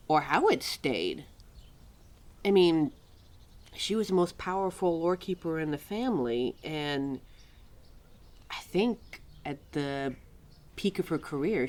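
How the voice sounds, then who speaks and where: A woman with a low, slightly mellow voice voices a centuries-old, scatterbrained guardian of forgotten lore in a roleplay audio drama. Talking to a listener, she comes across flustered and hesitant, overwhelmed and wistful.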